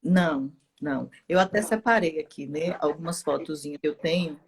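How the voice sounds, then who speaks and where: A woman's voice: sits low, normal speed, slight background noise. A woman, apostle and co-host, explaining steadily in a live religious teaching talk.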